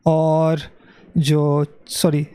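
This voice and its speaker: A man's voice: fairly high pitch, completely flat delivery, drawn-out words, dark tone, smooth, no echo. A man teaching web design over a screen recording, thinking aloud and correcting himself as he goes, dropping English phrases into his explanation. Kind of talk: screen-recorded software tutorial.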